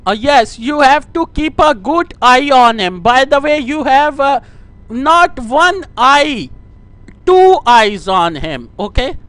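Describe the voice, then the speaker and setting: A man with a South Asian accent and a strikingly high-pitched voice makes a prank call. He talks slowly and haltingly, repeating himself politely. The sound is dry and close. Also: animated, fairly bright tone, dry recording. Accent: South Asian English. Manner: halting, repetitive, deferential. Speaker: prank caller. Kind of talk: staged phone conversation.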